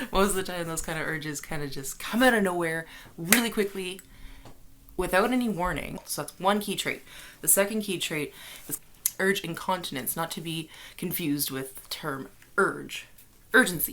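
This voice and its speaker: A woman with a Canadian accent, fairly low-pitched and bright and sharp in tone, with ordinary pitch variation, big swings in loudness and long, frequent pauses. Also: moderate pace. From Canada, Ottawa, Ontario. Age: 20s. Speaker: vlogger. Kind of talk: informational vlog. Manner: casual, halting with fillers.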